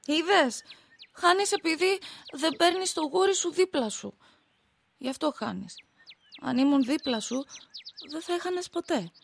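A woman playing a high, clingy haunted young wife. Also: vocal fry, pauses often. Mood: soft coaxing. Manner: pleading, clingy, tearful swings. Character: anxious young wife haunted by spirit voices. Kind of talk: audio drama acting.

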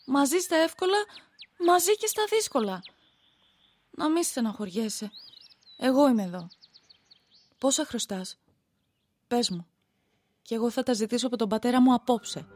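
A woman playing a high, clingy haunted young wife. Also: animated, pauses often, a little mellow, no echo. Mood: soft coaxing. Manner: pleading, clingy, tearful swings. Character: anxious young wife haunted by spirit voices. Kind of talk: audio drama acting.

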